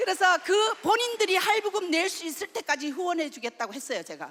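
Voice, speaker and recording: Talking at a fairly quick pace, a woman lets her pitch swing very widely. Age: 60s. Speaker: network marketing leader. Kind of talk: motivational speech. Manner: animated.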